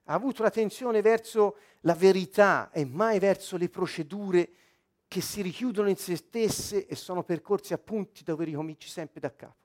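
A man preaching a sermon, rising loud when he quotes scripture and dropping low to explain. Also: normal speed.

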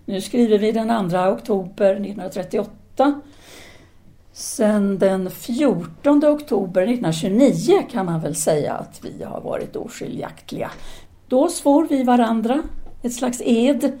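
A woman's voice: medium pitch, animated, dark tone, lightly acted. A woman playing a self-assured, seductive philosopher-teacher in an audio drama, speaking in an articulate, formal, lecturing manner. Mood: reflective. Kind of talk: audio drama dialogue acting.

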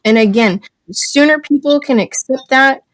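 A woman's voice: high voice, normal speed, dry recording. A woman hosting a live talk show, speaking firmly and lecturing her listeners. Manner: firm, lecturing, scolds callers. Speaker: host.

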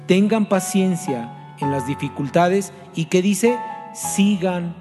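Earnest preacher in a reverberant hall. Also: male voice, sits high, animated, slow. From Mexico. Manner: earnest, pleading, repeats rhetorical questions to the congregation. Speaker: pastor. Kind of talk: sermon. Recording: long reverb with soft music behind.

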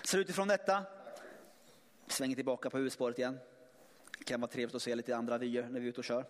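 A man's voice: medium pitch, fairly even intonation. A man preaching a sermon, speaking emphatically with many restarts and sudden swells in volume. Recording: long hall reverb.

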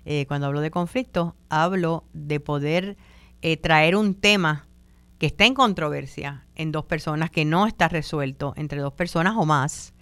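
Woman, Puerto Rican accent, lowish pitch, smooth clear voice, dry close sound, easygoing talk with fillers. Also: normal speed, dry recording. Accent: Puerto Rican Spanish. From Puerto Rico. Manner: relaxed, many fillers, acts out quoted voices. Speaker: radio host on communication and wellbeing. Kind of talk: conversational talk on communication styles.

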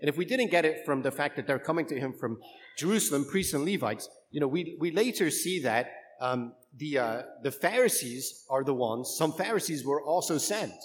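A man's voice: fairly high pitch, animated, normal speed. A man speaking as a Catholic priest, delivering scripture and preaching to a congregation in church. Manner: jokey, rambling, conversational asides to the congregation. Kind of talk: Gospel reading and informal homily.

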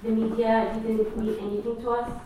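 A woman's voice: fairly high pitch, level tone, normal speed, mellow, a little hiss or hum. A woman from Tunisia speaking as a panelist, thoughtful and reflective. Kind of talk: panel discussion. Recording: echoey hall, distant mic.

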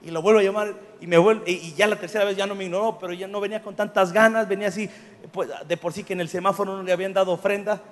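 High-voiced preacher in reverberant hall. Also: male voice, rapid-fire. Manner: animated storytelling, acting out dialogue, swelling to fervent exclamation. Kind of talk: sermon with personal storytelling.

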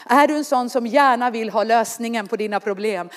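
A middle-aged woman preaching a passionate sermon, moving between soft, slow passages and loud, lifted ones, with a humorous aside. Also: fairly high pitch.

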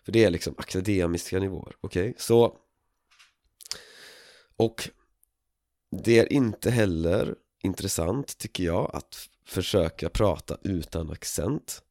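A man with a fairly low voice hosts his podcast in a loose, casual monologue. He keeps a relaxed tone, with frequent chuckles and fillers between thoughts. The sound is dry and close. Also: no echo. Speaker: podcast host.

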